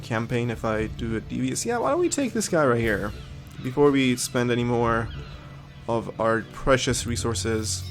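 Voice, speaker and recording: A man's voice: medium pitch, lively intonation, normal speed, faint music behind. A man hosting a let's-play video, a little sniffly from a cold, thinking aloud and reading game text with frequent ums. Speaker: gaming video host. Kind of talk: casual let's-play commentary.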